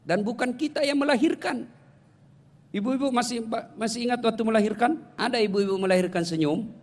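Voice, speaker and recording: Joking high-voiced male preacher, echoing hall. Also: fairly quick. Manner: jokey, animated storytelling, addresses the audience directly. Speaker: Islamic preacher. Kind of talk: humorous sermon to a congregation. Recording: long hall reverb.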